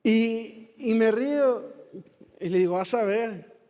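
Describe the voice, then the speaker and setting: A man's voice: high-pitched, takes it slowly, darkish tone. A man with a Mexican accent preaching a sermon, fervent and firing rhetorical questions at the congregation. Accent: Mexican Spanish. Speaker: pastor. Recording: long hall reverb.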